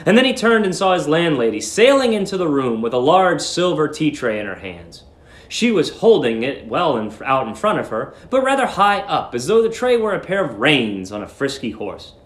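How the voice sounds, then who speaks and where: A man's voice: a little high, very animated, normal speed, reverberant. A man narrating a short story as a dramatic reading.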